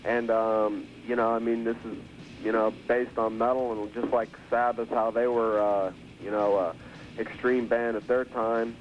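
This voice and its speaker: A man's voice: medium pitch, flat delivery, moderate pace, slight background noise. Man on a phone line, worn tape copy. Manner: hesitant, many fillers. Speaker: record producer, phone guest. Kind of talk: casual phone interview. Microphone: telephone.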